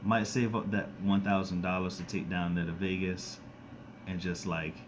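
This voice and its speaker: A man chatting casually on his live stream, his voice raspy and monotone from a scratchy throat, talking haltingly with many ums and restarts. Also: deep voice. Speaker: YouTuber doing a live stream. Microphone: close to the screen and device.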